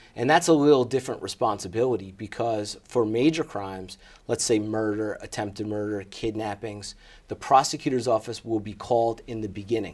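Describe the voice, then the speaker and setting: Man with an American accent and a normal speaking voice, medium pitch and ordinary pitch variation, fairly quick pace, big swings in loudness, in a very clean recording with a silent background. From New Jersey, Morris County. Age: 30s. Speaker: criminal defense attorney. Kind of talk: interview.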